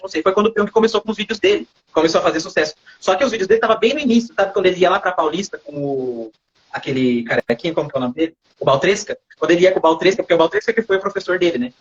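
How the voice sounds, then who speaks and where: A man with a Brazilian Portuguese accent tells a story as an interview guest, animated, acting out quoted dialogue and often adding tag questions. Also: sits high, lo-fi sound, a little hiss or hum. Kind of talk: casual storytelling in a livestream interview.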